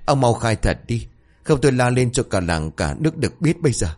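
A man voicing a suspicious old village woman who scolds and threatens loudly. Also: mid-range voice, very animated, fairly quick, natural voice. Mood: scolding.

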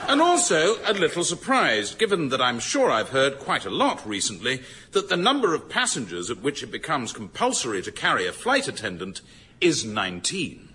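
An actor playing a smooth-talking male first officer who teases in a dry, drawling way. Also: medium pitch, huge pitch swings, normal speed, bright, forceful tone, slight background noise. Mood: sardonic.

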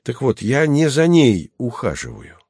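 Capricious, teasing starship pilot, read by a man, slow unhurried delivery, dry close sound. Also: medium pitch, sing-song, creaky, darkish tone, husky, dry recording, pitched above the performer's own voice, full character voice. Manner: whimsical, teasing, lightly offended. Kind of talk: audiobook character reading.

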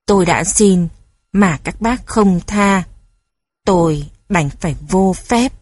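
A woman voicing an elderly grandfather who is a martial arts master, speaking in a cold, quiet tone. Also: mid-range voice, slow pace, breathy edge, dry recording.

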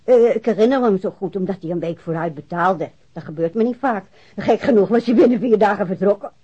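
Actress as vague landlady, chatty, hesitant, soft-edged husky voice, radio drama, muffled recording. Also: mid-range voice, brisk, lightly acted. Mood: musing, helpful. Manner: hesitant, musing. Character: chatty, vague female landlady, helpfully trying to remember. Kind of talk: Dutch radio drama acting.

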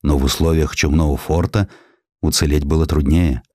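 A man reading a literary story as a dramatic audiobook narrator, deliberate and measured, with weighty pauses. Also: extremely low pitch, fairly even intonation, mellow, dry recording, studio quality. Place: studio.

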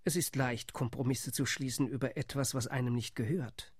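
A man's voice: mid-range voice, steady tone, moderate pace, slightly rough, no echo, studio quality, close to an everyday voice. An actor playing an Arab spokesman in a radio play, arguing in a bitter, aggrieved way.

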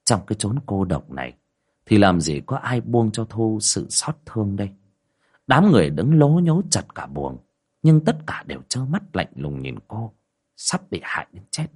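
A man narrating a ghost story in a dramatic, expressive way. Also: lowish voice, normal speed, husky. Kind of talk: scripted horror story narration.

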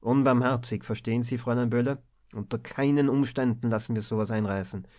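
A gruff older bank director in an audiobook, as the man reading voices him, clipped and commanding with a firm middle-pitched voice. the sound is dull and lo-fi. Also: steady tone, fairly quick, darkish tone, lightly acted. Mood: stern. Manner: curt commanding tone. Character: gruff older male bank director, stern but fatherly. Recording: dull lo-fi recording.

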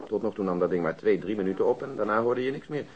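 An actor playing a querulous, nagging police detective in a radio crime drama. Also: male voice, fairly low pitch, lively intonation, fast talker, dull audio, close to an everyday voice. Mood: grumbling.

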